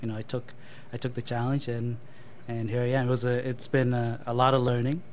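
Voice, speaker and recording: Thoughtful and hesitant, a man peppers his answers with ums and uhs while being interviewed as a company guest. Raised in Canada after being born in Thailand to Cambodian parents, this marketing manager talks briskly in a level, medium-pitched, slightly mellow voice, with a little background noise.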